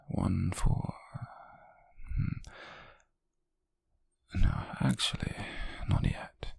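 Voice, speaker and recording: A British man playing a possessive, wealthy young yandere in an ASMR roleplay, coaxing haltingly in a breathy, husky whisper with soft menace. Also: sits low, dry recording, heavily acted. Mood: polite, musing.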